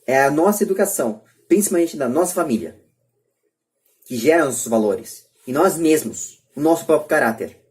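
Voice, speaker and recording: On a remote group call from home, a Brazilian man talks earnestly on a podcast, hammering his opinions through repetition and emphasis. He speaks at a moderate pace with lively intonation, in a higher voice of darkish tone.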